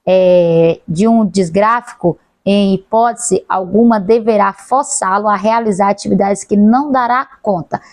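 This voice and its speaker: Fast-talking Brazilian woman teacher. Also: medium pitch, a little mellow, dry recording. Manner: fast-talking, swallows words and corrects herself. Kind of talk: recorded class lecture.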